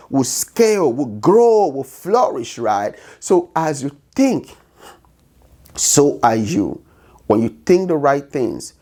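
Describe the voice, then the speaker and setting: Emphatic motivational coach with a non-native accent. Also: male voice, medium pitch, warm tone. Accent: non-native English accent. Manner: emphatic, repetitive preaching cadence with many "right?" tags. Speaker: business coach. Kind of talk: motivational talk.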